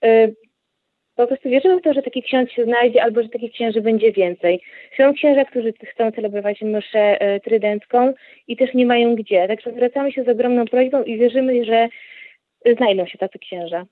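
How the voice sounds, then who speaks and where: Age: adult. Sex: woman. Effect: radio show caller on a tinny phone line. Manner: halting, hesitant. Pitch: fairly high. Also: dry recording. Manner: halting, with frequent hesitation sounds. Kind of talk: phoned-in appeal.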